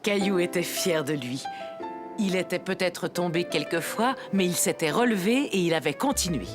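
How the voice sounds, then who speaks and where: A woman narrator reads a children's story in a fairly low voice. Music plays clearly behind her scripted storytelling. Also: animated, normal speed.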